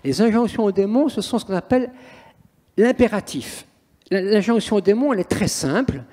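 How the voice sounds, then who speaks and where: Speaking fairly quickly, a man with a high, animated, dark-toned voice shares stories as a priest and exorcist in an interview. He delivers them emphatically and theatrically, and the recording carries a long room echo.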